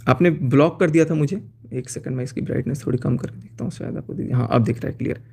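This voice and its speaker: A man's voice: medium pitch, fast, vocal fry, darkish tone, breathy edge. A man talking on a phone live stream, laying out his side in an aggrieved, accusing way as he reads out chat messages. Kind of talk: casual live-stream talk, reading out chats.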